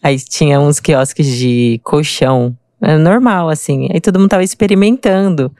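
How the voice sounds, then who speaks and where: A woman's voice: deep voice, moderate pace, mellow, no echo, clean studio sound. A woman co-hosting a podcast, telling an embarrassing story with frequent laughter. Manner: laughing, anecdotal. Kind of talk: casual chat.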